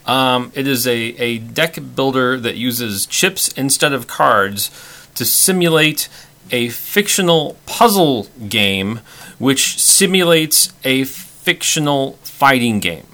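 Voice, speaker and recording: A man co-hosting a casual board game chat, halting with frequent restarts. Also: mid-range voice, animated, pushed and bright. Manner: halting, many restarts and fillers. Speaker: podcast co-host.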